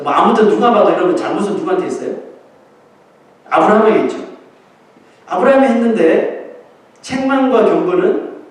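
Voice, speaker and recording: A male pastor preaching a sermon in a lively, conversational way, acting out quotes and laughing now and then, in a church. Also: sits high. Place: church sanctuary. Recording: echoey church hall, mic at a distance.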